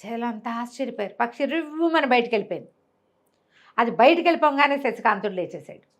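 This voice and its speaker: A woman's voice: fairly high pitch, animated, fast talker. A woman with a Telugu accent telling a folk tale conversationally, explaining as she goes and acting out dialogue in her own voice. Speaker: storyteller.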